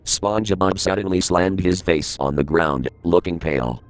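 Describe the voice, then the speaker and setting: Deep-voiced man narrating a horror story. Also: normal speed.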